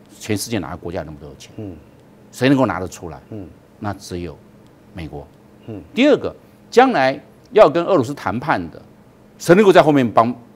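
The voice shows very wide pitch swings, big swings in loudness, and vocal fry, moving at a fairly quick pace broken by long, frequent pauses. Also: man. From Taiwan. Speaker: retired military general; guest. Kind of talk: political talk show interview. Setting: studio. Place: studio. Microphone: lapel.

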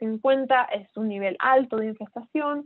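Over a quiet background, a woman speaks at a moderate pace with an Argentine accent. Her pitch is fairly high, with ordinary variation. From Argentina. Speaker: scientist presenting on tree pests; presenter. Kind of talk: webinar presentation. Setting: online webinar. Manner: hesitant fillers (am, eh). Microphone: webcam.

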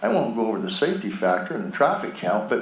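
A man at a medium pitch talks at a fairly quick pace with very wide pitch swings, over noticeable background noise and audible room echo. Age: 60s. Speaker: public commenter. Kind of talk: public comment at meeting. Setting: council chambers. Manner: halting.

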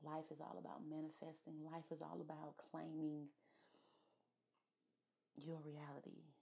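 The voice has a dark, mellow tone and monotone, flat intonation. It moves at a fairly slow pace with long, frequent pauses. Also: woman, very deep, low pitch for a woman. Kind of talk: motivational talk. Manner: slow, reflective.

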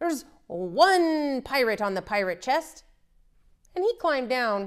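The woman's voice moves through very wide pitch swings. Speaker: presenter. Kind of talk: children's storytime reading and rhyme. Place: home room. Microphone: lapel.

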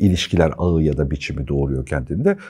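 At a fairly quick pace, a dark, mellow tone comes through over a quiet background. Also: man. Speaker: podcast co-host. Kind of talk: casual chat. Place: studio. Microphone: lapel.

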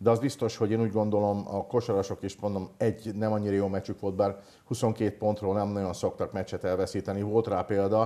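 Talking at a fairly quick pace, a man with a fairly low pitch and a dark, mellow tone keeps a monotone, flat intonation. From Hungary. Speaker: sports journalist. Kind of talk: casual chat. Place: studio. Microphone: lapel.

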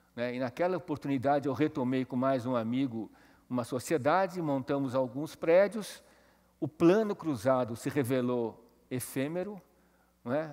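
Against a quiet background, this man's pitch varies in an ordinary way. He speaks at a fairly slow pace. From Brazil, São Paulo. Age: 50s. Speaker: business executive. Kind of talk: motivational talk. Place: stage. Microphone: headset.

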